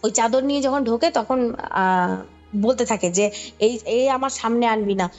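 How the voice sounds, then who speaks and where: A woman's voice: a little high, normal speed, faint music behind. A woman with a Kolkata Bengali accent recounting a story conversationally, explaining as she goes and checking in with the listener. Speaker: podcast guest recounting a ghost story.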